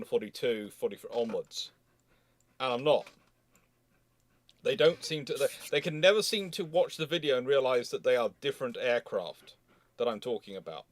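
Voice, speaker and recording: A man hosting a casual history discussion, rambling and often repeating words as he goes. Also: mid-range voice. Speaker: live stream host.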